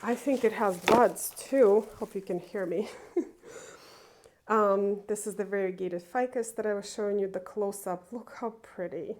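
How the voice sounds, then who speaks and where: A woman chatting casually through a tour of her indoor plant room, unhurried and enthusiastic, with small laughs and fillers. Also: medium pitch, a little mellow, a little hiss or hum. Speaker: plant vlogger.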